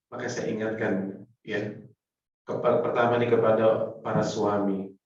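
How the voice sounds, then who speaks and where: Guy preaching in a big echoey hall, lively, chats right at the crowd, kinda muffled far-off mic. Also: fairly low pitch, unhurried. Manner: lively, addresses the congregation directly, acts out little dialogues. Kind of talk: Islamic sermon on marriage.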